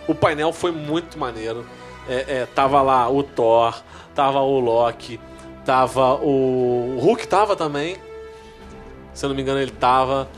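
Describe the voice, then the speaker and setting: A man co-hosting a casual podcast, talking excitedly and stumbling over repeated words. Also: mid-range voice, measured pace, faint music behind. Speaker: podcast co-host. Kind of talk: casual nerd podcast chat.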